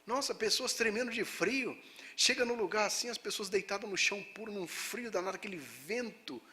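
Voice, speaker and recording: Brief: Brazilian man, spiritist lecturer, earnest storyteller, slightly high voice, restarts often. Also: animated, fairly quick, sharp tone. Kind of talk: spiritist talk telling personal stories.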